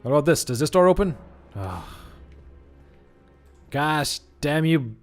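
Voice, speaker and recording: A man's voice: a little high, very animated, unhurried, soft background music. A young Portuguese man with a Portuguese accent, rambling and joking as he streams a game. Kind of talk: let's-play commentary.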